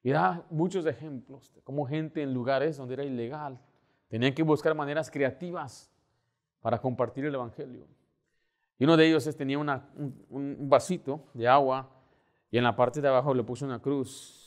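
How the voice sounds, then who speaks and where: A middle-aged man preaching a sermon as pastor, animated, acting out little scenes as he talks. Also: mid-range voice, moderate pace. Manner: animated, acts out door-knocking scenes.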